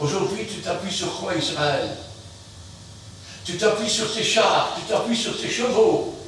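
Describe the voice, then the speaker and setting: A man preaching an emphatic sermon, swinging between loud outbursts and quiet asides. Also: on the high side. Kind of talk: fiery sermon. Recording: very echoey room, mic far off, faint noise.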